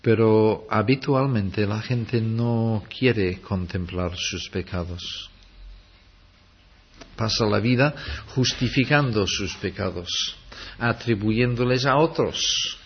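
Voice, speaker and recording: A man preaching a sermon slowly and deliberately, acting out quotes for emphasis. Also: lowish voice, slight background noise. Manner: slow, deliberate preaching with dramatic acted quotes. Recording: dull lo-fi recording.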